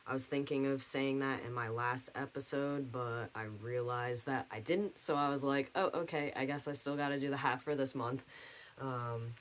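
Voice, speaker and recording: A man's voice: mid-range voice, steady tone, moderate pace, fairly bright tone. Chatty young trans man vlogging at home. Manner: chatty, rambling, many fillers. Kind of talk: casual video diary.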